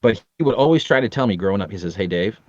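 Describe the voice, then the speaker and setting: A man's voice: lowish voice, lively intonation, rapid-fire. A middle-aged man chatting casually as a podcast guest, telling personal anecdotes in an earnest, joking way. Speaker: podcast guest, voiceover artist. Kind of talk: casual conversational storytelling. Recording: roomy, slightly dull lo-fi connection.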